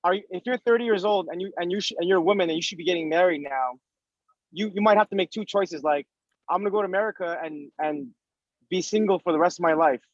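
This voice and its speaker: Male interviewee, thirties, notably high voice, emphatic explainer in casual conversation, lo-fi recording. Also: quick pace, no room sound. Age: 30s. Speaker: interviewee giving career advice.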